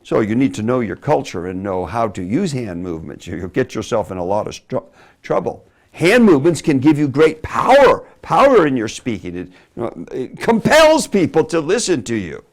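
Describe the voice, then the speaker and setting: A man giving a teaching lecture on preaching delivery, animated and demonstrative, dropping from loud emphasis to hushed asides. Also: mid-range voice, normal speed. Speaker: Bible teacher.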